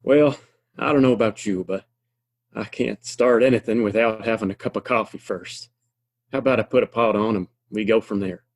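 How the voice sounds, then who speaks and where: A man's voice: fairly low pitch, normal speed. An American actor playing a kindly, wry frontier townsman in a Western audio play, with a folksy, plainspoken, reassuring drawl. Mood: gentle, fond.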